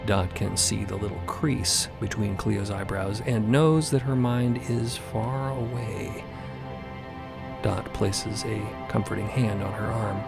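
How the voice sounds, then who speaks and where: A man's voice: on the low side, level tone, slow, gravelly, music in the background. A man narrating a scripted dramatic story as one of several narrators.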